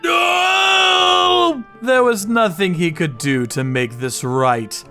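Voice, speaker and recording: A man giving scripted, dramatic first-person narration for a manga dub in a deliberate, grim manner. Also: medium pitch, sing-song, a bit bright, faint music behind. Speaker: narrator and lead character, a torture sommelier.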